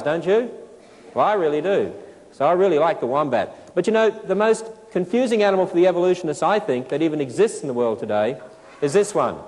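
A man's voice: sits high, a little mellow. Australian man lecturing in an echoing auditorium. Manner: playful, asks the audience questions and jokes. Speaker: speaker addressing a children's audience. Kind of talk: animated lecture to a live audience. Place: large auditorium stage with potted plants.

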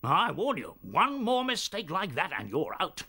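An actor playing a doddering, pompous old chief rabbit in a radio drama, blustering and hesitant. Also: male voice, high voice, huge pitch swings, moderate pace, sharp tone, heavily acted. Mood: stern, indignant. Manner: hesitant, blustering, throat-clearing.

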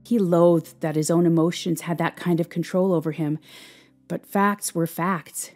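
A woman narrating a scripted audio drama in a measured, expressive, somber manner. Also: lowish voice. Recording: music under the voice. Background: instrumental music.

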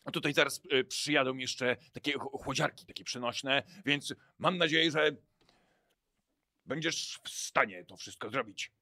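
A man playing a fussy, flustered boss who talks haltingly and repeats himself in a children's audio play. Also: medium pitch, sharp tone, no room sound, studio quality. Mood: encouraging.

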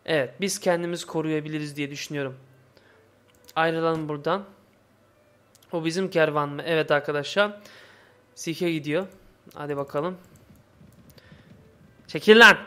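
A man giving casual let's play commentary in halting, imperfect Turkish with muddled word forms. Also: on the high side, steady tone, a bit bright, clean tone. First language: not Turkish, speaks imperfect Turkish. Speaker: gaming video host.

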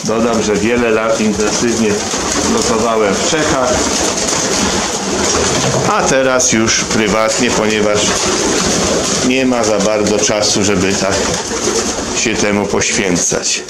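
A man's voice: fairly low pitch, steady tone, slow pace, long pauses, very noisy. A middle-aged man from Poland, a pigeon breeder, explains his birds plainly in a loft and talks coaxingly to them. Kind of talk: casual video talk in a pigeon loft. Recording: echoey loft with loud pigeon cooing.

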